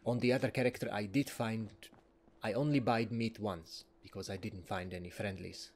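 A man with a fairly low, darkish voice gives casual, rambling commentary as he plays a video game in a let's play, chuckling often. He speaks at normal speed with fairly even intonation, and there's a little hiss or hum.

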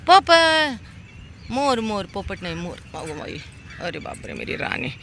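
A woman's voice: fairly low pitch, expressive, moderate pace, vocal fry, a little hiss or hum. A woman chatting casually outdoors at night, calling out and coaxing street animals with affection. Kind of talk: casual vlog talk.

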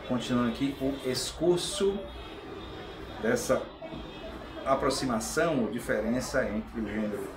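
A middle-aged Brazilian man giving an informal video lecture, conversational and often checking in with tag questions. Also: mid-range voice. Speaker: channel host and philosophy explainer. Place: small tiled room, indoors. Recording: echoey room with clear background noise.

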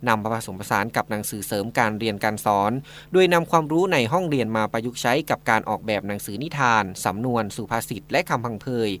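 A man's voice: lowish voice, lively intonation, quick pace, hardly any pauses, fairly bright tone. A man delivering a scripted news report as a radio reporter.

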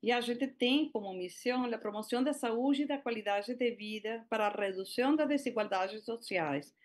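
A woman's voice: on the high side, normal speed. A middle-aged woman from Venezuela, speaking with a Spanish accent, presents remotely over a video call at a public hearing, hesitating often with fillers and restarts.

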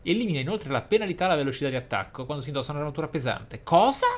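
A man with a slightly high, animated voice races through video game commentary, using wordy, formal phrasing. He's a let's player reading skill descriptions aloud.

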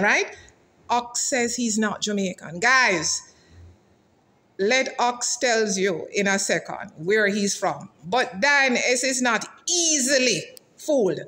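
A woman vlogger interviewing restaurant staff in a casual, teasing way, asking lively questions. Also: on the high side. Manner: chatty, teasing, animated questions. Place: restaurant seating area, indoors.

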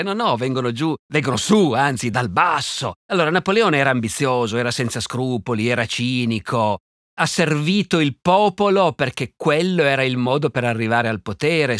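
Older man telling history with animated asides. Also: fairly high pitch. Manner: animated storyteller, rhetorical questions and asides. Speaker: historian answering listener questions. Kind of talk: conversational history lecture.

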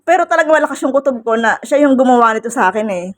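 A woman in her thirties talks to her viewers in a casual birthday vlog. Her voice sits a little high. She sounds heartfelt and emotional, and she mixes English phrases into her talk. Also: expressive, racing. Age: 30s. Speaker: vlogger.

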